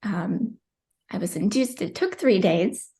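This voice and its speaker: A woman's voice: medium pitch, lively intonation, slow pace, gravelly, mellow. A young woman in her twenties, a podcast guest telling a personal birth story in a chatty, emotional way with many fillers. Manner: tearful at times, chatty with many likes.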